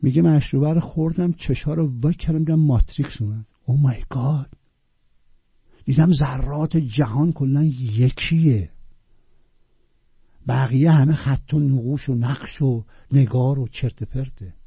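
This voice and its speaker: A man in a heated, sarcastic and crude rant, at times shouting out recited verses. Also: medium pitch, creaky, slightly rough, no echo, dull audio. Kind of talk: impassioned casual rant about poetry.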